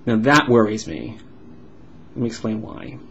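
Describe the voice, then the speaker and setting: A man voicing a signed vlog as an interpreter, explaining in halting phrases with uneven pauses. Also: on the low side, animated. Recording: dull lo-fi sound with clear background noise.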